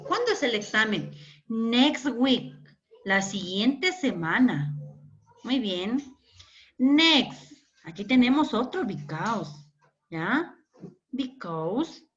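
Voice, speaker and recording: A woman English teacher giving a classroom lesson, patient, repeating words and quizzing her pupils. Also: on the high side. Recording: dull lo-fi recording.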